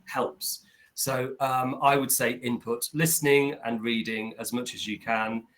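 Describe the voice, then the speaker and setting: A man's voice: medium pitch, fairly even intonation, unhurried, a bit bright. A man, tutoring a student in casual conversation over a video call, repeating points for emphasis. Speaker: English tutor.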